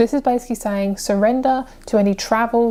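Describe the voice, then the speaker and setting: A woman talks at a fairly quick pace with ordinary pitch variation. Hers is an unremarkable speaking voice. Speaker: tarot reader. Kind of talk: tarot reading to camera. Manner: casual, filler-heavy.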